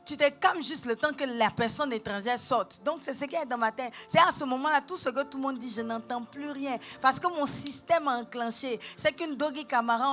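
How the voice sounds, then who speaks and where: High-voiced woman pastor, animated storytelling. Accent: Gabonese French. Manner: animated, acts out quotes, switches between calm and shouting. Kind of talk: sermon with personal storytelling. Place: church.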